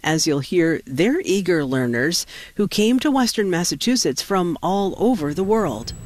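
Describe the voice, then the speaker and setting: A woman hosting local public radio, reading news, weather and sponsor notes in a measured announcer delivery. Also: lowish voice, sing-song, a little mellow. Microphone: studio microphone.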